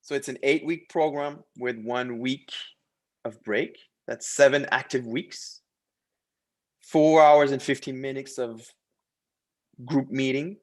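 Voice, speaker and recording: Male course presenter, mid-pitched and unhurried, measured promotional read in short emphatic phrases. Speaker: French language coach and course presenter.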